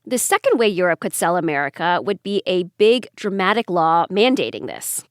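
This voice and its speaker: A woman with a mid-range voice and animated intonation co-hosts an explainer podcast, speaking in an engaged way. The sound is dry and close. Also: lowish voice, moderate pace, smooth, no echo. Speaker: podcast co-host. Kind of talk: conversational explainer.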